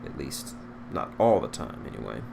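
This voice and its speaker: A man's voice: rumbling low, very animated, normal speed, gravelly, noisy background. A man reading a story aloud as narrator, now and then stumbling and rereading a phrase. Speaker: fan fiction reader.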